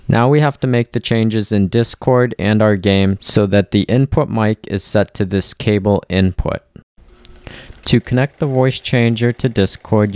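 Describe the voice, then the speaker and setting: Male tutorial narrator, smooth and fairly low, plain instructional delivery for software walkthroughs. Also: no echo. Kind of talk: step-by-step software tutorial voice-over.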